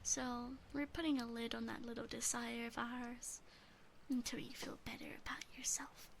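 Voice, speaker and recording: A woman voicing a teasing, obsessive yandere demon sister in an ASMR roleplay, breathy and often whispering, gently doting and possessive. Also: a little high, level tone, moderate pace, slight background noise.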